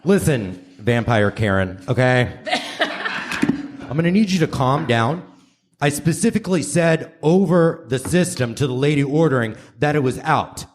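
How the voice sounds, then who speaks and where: A man playing a rude, deadpan fast-food worker in a comic radio play on stage. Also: medium pitch, natural voice. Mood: fed up, sassy. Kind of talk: comic radio play before a live audience. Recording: noisy live theater stage recording.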